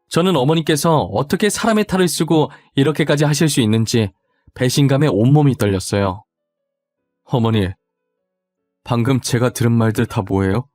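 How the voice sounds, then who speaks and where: A man's voice: mid-range voice, a little mellow, dry recording. A man narrating a family story in a confiding, recounting way.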